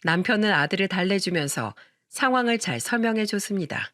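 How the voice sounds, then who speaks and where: Bright woman narrating a radio story. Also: mid-range voice, expressive, a little fast, no echo, studio quality. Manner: conversational, addressing listeners with questions. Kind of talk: scripted first-person narration.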